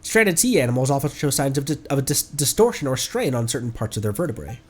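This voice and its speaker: A man voicing an earnest, pedantic academic who lectures in a halting way. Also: medium pitch, very animated, a little mellow, slightly rough. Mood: earnest, lecturing. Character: earnest, pedantic young academic of marine bones.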